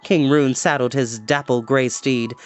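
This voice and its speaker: A man reading a storybook aloud as an expressive narrator. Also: medium pitch, unhurried, faint music behind. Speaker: storyteller, host.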